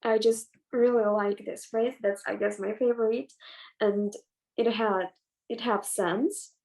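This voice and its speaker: A girl of about twelve with a Ukrainian accent gives earnest testimony on a video call. Her voice is fairly high and her delivery very slow and halting. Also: steady tone, a little mellow, poor audio. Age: child, twelve. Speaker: young participant in a play reading. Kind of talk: personal testimony to an audience.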